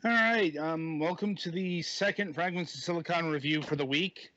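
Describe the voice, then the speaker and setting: A man's voice: fairly high pitch, normal speed, sharp tone, no room sound. A man co-hosting a casual game review podcast, talking with many fillers and restarts over a phone microphone. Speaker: podcast co-host reviewing games. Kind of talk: casual chat. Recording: dull lo-fi phone mic.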